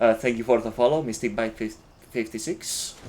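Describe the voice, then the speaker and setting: This man has a Spanish accent. His pitch sits in the medium range. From Spain. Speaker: streamer. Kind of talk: live gameplay commentary. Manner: halting.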